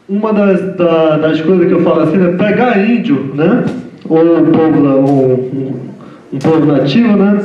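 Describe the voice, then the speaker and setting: Halting man in an echoey lecture hall. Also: high voice. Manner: halting, repeats "né?" constantly. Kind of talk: informal lecture talk. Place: lecture room. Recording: echoey hall from far off, dull sound.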